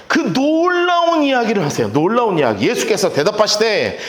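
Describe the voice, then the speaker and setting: Male pastor, animated Bible-study preacher with a high, lively voice, recorded in a reverberant church. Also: normal speed. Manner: animated, asks the audience questions and acts out scenes.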